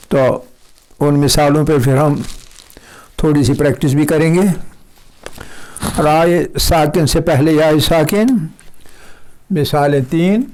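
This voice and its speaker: A man teaching a recitation lesson, patiently explaining and repeating example words slowly, often checking that his listeners follow. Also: on the high side, a little mellow. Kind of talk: tajweed lesson.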